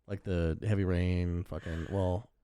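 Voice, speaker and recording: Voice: low voice, flat delivery, unhurried, mellow, slight background noise. A co-host of a gaming podcast chatting casually in a laid-back, hedging way with lots of fillers.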